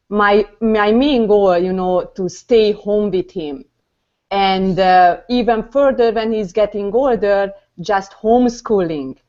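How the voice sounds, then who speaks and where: A young woman from Hungary with a Hungarian accent, halting and searching for words as she introduces herself on a video call. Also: mid-range voice. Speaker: guest on a video hangout. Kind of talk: casual self-introduction. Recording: dull lo-fi video call audio.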